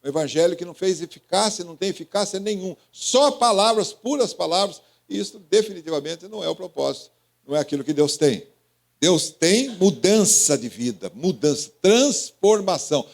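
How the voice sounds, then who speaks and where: Man, Brazilian accent, pastor, interactive sermon, high voice, very lively pitch. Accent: Brazilian Portuguese. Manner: calls on listeners by name, questioning and teasing.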